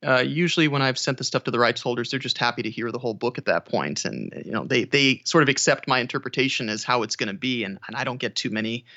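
A man's voice: mid-range voice, fast talker, few pauses, sharp tone, dull audio. A man speaking casually as an interview guest, easygoing and a little tentative in his phrasing. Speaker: audiobook narrator, podcast guest.

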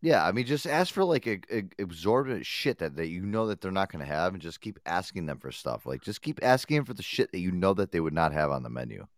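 A man's voice: deep voice, very animated, brisk, hardly any pauses, no echo, clean studio sound. A man hosting a casual talk show, reading sponsor ads and bossing his co-host in a brash, joking way. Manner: brash, laughs often, bossy with co-host. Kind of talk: casual radio-style show with ad reads.

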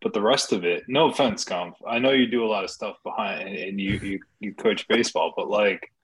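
A man's voice: lowish voice, fairly quick, breathy edge, low-quality recording. A man co-hosting a podcast, rambling and joking in casual chat, full of filler words. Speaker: podcast co-host.

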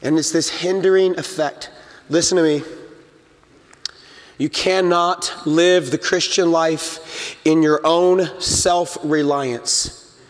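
High-voiced preaching pastor in a reverberant hall. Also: male voice, fairly even intonation, slow pace, long pauses. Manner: emphatic preaching, acts out inner voices. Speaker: senior pastor. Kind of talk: sermon. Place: church sanctuary.

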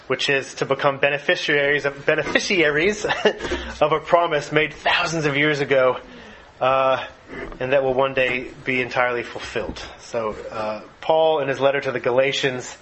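A male lecturer in a lecture room who talks thoughtfully and hesitantly. He often restarts phrases and fills pauses as he reflects aloud. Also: mid-range voice, fairly bright tone, slight background noise, poor audio. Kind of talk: lecture with a read-aloud passage.

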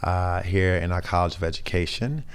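A young man with a raspy voice from a sinus infection, talking earnestly and carefully as an interview guest, with frequent fillers and restarts. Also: low voice, moderate pace, slight background noise. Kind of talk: casual conversational interview.

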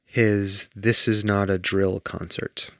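Brief: male podcast co-host, low gravelly voice, deadpan rambling storyteller, dry close sound. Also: slow pace, no echo. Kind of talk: casual chat.

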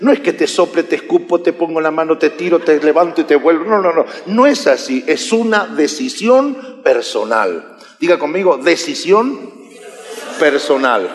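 A man delivering a sermon with a raised, lively voice that leaps up and down in pitch. He is animated and teases the congregation between points. The sound carries a long echo from a big church hall. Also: normal speed. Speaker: pastor. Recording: echoey hall reverb.

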